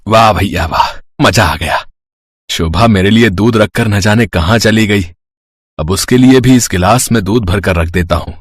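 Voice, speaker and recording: A man's voice: on the low side, moderate pace, breathy edge, no room sound. A man playing a simple, caring farmer husband in a moral story cartoon, earnest and plain-spoken. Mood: contented.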